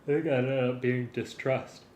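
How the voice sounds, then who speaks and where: Casting: male collaborator, mid-pitched, tentative informal work talk, roomy recording. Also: fairly even intonation, moderate pace, a little mellow, slight background noise. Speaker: music collaborator. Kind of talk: casual working chat.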